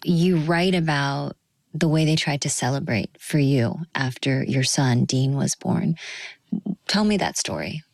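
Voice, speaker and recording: Low-voiced calm radio interviewer woman. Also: gravelly, no echo. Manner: calm, measured questions.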